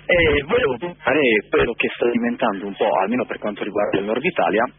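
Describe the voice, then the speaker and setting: A man from north-east Italy calling in over the phone as a correspondent, giving political radio commentary in a halting way with many filler pauses. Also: mid-range voice, animated, over music. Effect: heard over a phone line. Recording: tinny phone line with faint hum.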